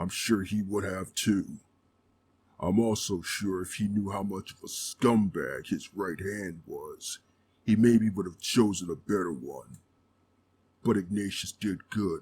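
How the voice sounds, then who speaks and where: In a put-on character voice, a man speaks at a fairly low pitch. His pace is fairly slow. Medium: machinima. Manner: gruff, grave.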